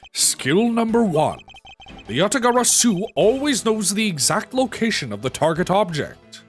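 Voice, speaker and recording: Streamer voicing a stern, formal prosecutor. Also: mid-range voice. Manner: measured, formal, declarative. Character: stern, composed male prosecutor detective, deductive. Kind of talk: video game dialogue read aloud.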